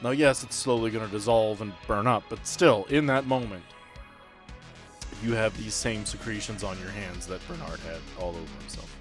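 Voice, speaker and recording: A man's voice: lowish voice, normal speed, over music. Casual man running a tabletop game. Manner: casual, swearing, talking players through the scene. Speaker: game master. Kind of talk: improvised narration of a tabletop game.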